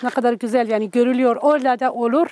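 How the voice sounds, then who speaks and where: Noticeable background noise sits behind a woman's high-pitched voice. She speaks at a moderate pace with ordinary pitch variation. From southeastern Turkey, Midyat area village. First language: Aramaic (Syriac) (speaking Turkish). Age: 50s. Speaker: nun. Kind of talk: personal storytelling interview. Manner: halting, many self-corrections.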